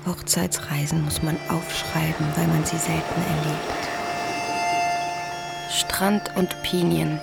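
Curious dreamy young woman in a radio play, slow talker, bit teasing, music behind. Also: low-pitched, level tone, creaky, exaggerated voice. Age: young adult. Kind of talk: naturalistic radio play acting.

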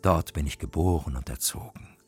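A man reading a fairy tale aloud and voicing a proud reindeer from the far north, slow and deep. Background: music.

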